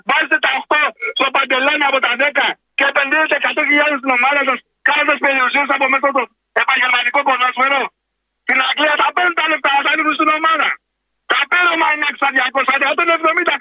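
Angry guy calling into a sports radio show, super high sharp voice, firing off his rant. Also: no echo, low-quality recording. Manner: agitated, rapid-fire, confrontational. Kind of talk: heated phone-in rant on football.

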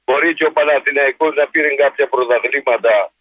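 A male caller comes through on a dull, muffled phone line, with a dry, close sound. He pushes his football views and keeps talking over the host. His voice is mid-pitched. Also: dry recording. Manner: insistent, talks over the host. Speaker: radio show caller.

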